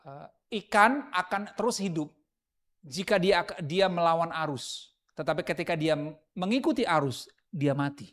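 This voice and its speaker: A pastor preaches a sermon in an expressive, fairly high voice at normal speed. He often puts rhetorical questions to the congregation and shifts between loud emphasis and quiet asides.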